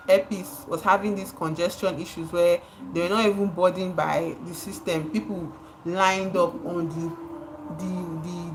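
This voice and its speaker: A woman's voice: on the low side, slight background noise, poor audio. A Nigerian woman livestreaming, speaking with passion, repeating words for emphasis and greeting her chat viewers. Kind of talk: live stream commentary.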